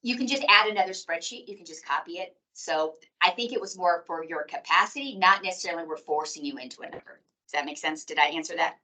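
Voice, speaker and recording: Woman, city staffer, loud and forceful, recorded from across the room. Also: fairly low pitch, fast, reverberant. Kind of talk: public meeting explanation. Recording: distant mic in a room.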